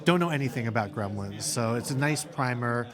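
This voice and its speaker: A man who creates an animated series, giving conversational interview answers. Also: mid-range voice, brisk, over music. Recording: busy convention crowd behind the voice.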